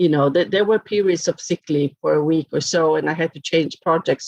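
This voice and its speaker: A woman's fairly low voice with a Norwegian accent, ordinary pitch variation, and a dry, close sound with no echo. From Northern Norway. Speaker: head of diversity and inclusion at a bank. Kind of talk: podcast interview answer.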